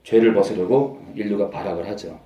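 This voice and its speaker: A male pastor preaches with emphasis, repeating key phrases and climbing in pitch to drive them home. His voice is mellow and dark in timbre, and it rings out across an echoey church hall. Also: fairly quick. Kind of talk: sermon.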